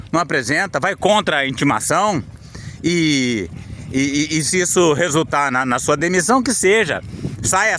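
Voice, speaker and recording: A man's voice: on the high side, sharp tone. Indignant Brazilian man outdoors in the wind. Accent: Brazilian Portuguese. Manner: many repetitions and restarts, indignant. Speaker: channel host and commentator. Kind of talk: political commentary vlog. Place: outdoors, windy. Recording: windy outdoor noise.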